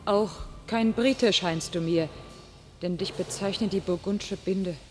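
An actress playing a young, divinely inspired warrior maiden in a classic radio drama, speaking solemn, impassioned verse in a commanding way. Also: female voice, medium pitch, slow pace, soft background music, natural voice. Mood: proud, defiant. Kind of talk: classic German radio play, declaimed stage verse.

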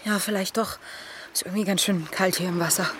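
Playing a grieving, wry 32-year-old woman adrift at sea, she delivers naturalistic radio play dialogue plainly and haltingly, sounding weary and dry. Her natural, lowish voice keeps fairly even intonation over clear, boat-like ambience of lapping water and sea.

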